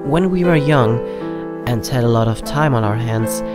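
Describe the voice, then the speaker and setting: A man's voice: medium pitch, animated, normal speed. Male horror narrator over prominent piano music. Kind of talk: scripted first-person storytelling. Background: prominent piano and keyboard music.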